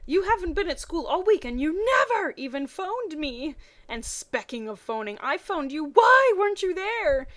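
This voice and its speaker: A woman voicing an eager, chatty teenage girl, raising her voice with excitement. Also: very high-pitched, moderate pace, pitched above the performer's own voice, exaggerated voice. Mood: excited. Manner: raised, excited delivery.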